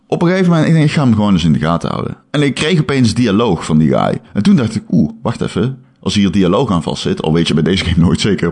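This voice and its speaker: A man chatting casually as a podcast host, an animated storyteller who swears freely. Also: on the low side. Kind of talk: casual chat.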